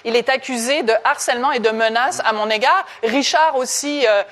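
A woman's voice: a little high, moderate pace, fairly bright tone. A woman with a French accent, arguing indignantly as a panelist in a heated TV debate. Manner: combative, indignant.

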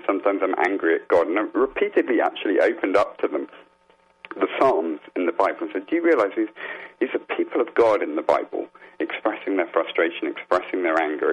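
A man speaking as an interview guest, explaining things in an earnest, reflective way and halting as he gathers his thoughts. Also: deep voice, breathy edge. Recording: dull, muffled phone-like line.

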